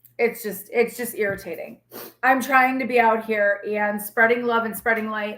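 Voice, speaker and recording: Someone shouts loudly at a moderate pace with an American accent, the tone bright and sharp and the intonation fairly even. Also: woman. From New York. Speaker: tarot reader. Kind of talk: live stream chat. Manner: loud, sounds like yelling; sassy, feisty.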